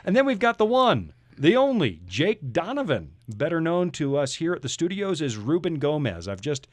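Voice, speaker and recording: A man's voice: a little high, very animated, moderate pace, no room sound. A man from Canada hosting a radio interview with jovial, teasing banter. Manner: teasing, joking. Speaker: radio host.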